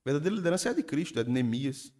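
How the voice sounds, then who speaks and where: Animated pastor. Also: male voice, fairly high pitch, rapid-fire. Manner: animated storytelling, acts out congregants. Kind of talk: sermon.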